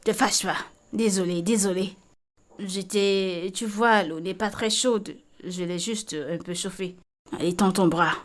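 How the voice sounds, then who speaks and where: Voicing Vicky in a French film dub, a woman plays a blunt, caring friend looking after a beaten woman, insisting on things again and again. She has a mid-range voice close to everyday speech, fairly even in intonation and measured in pace.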